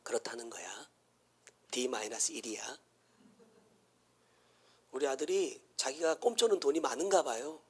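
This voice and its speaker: A middle-aged man with a Jeolla Korean accent, preaching a sermon as pastor, dropping to hushed whispers and rising to shouts. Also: mid-range voice, animated, normal speed, pauses often, husky.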